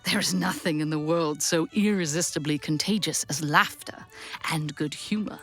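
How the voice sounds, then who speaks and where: A woman narrating a classic story for an audio drama in an expressive, measured storybook style. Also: sits low, faint music behind.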